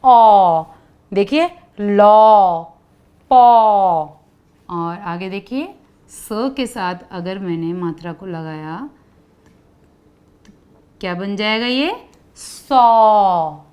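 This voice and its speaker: The recording is muffled as a woman with a mid-range, lively voice teaches kids Hindi letter sounds. She asks many questions and slowly draws out each sound, calling it out for the children to repeat.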